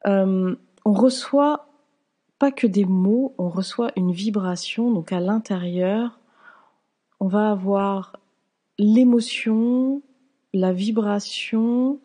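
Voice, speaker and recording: Slow, husky-voiced woman explaining softly. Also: mid-range voice. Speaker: spiritual channel and author. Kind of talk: explanatory talk to camera.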